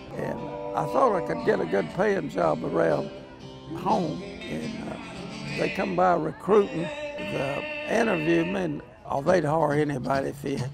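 Over clear music in the background, a man speaks at a fairly slow pace in a dry sound with no echo. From Tennessee, near Nashville. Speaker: war veteran worker, former security officer. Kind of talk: interview answer. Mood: cheerful, chuckling storytelling. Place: open country.

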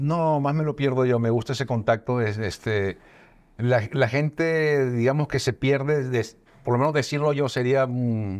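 The speech moves at a fairly slow pace with ordinary pitch variation. Loudness stays very even over a quiet background. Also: man, medium pitch for a man. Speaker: actor; actor interviewee. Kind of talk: interview answer. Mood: relaxed, joking. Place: home room. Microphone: lapel.

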